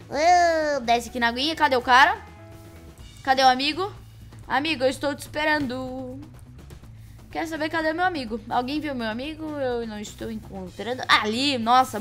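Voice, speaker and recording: High, bright Brazilian gamer girl. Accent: Brazilian Portuguese. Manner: excitable, shrieks and shouts at game events, playful teasing. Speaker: gaming channel host. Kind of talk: let's-play game commentary.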